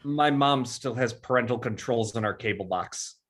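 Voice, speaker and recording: Man playing an anxious, earnest teenage boy, medium pitch. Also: moderate pace, a bit bright, natural voice. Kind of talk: table read of a horror comedy film script.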